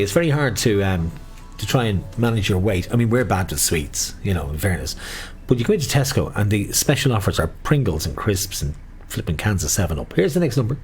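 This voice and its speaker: A middle-aged Irish man working as a bingo caller, calling numbers in a sing-song way with repeats and mixing in casual chat. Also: fairly low pitch.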